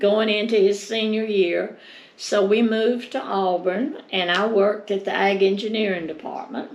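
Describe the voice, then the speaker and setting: Speaking at a fairly slow pace with a Southern US accent, a woman uses medium pitch and ordinary pitch variation amid audible room echo. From Virginia, Abingdon area; Alabama from age 16. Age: 80s+. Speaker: retired farmer, grandmother. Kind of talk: interview, life story.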